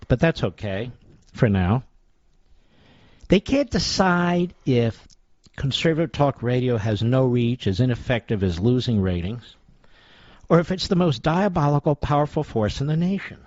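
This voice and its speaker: A combative male radio talk host in a sarcastic opinion monologue, his pitch swinging widely for emphasis. The sound is dull and lo-fi with a bone-dry, close feel. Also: darkish tone, no echo.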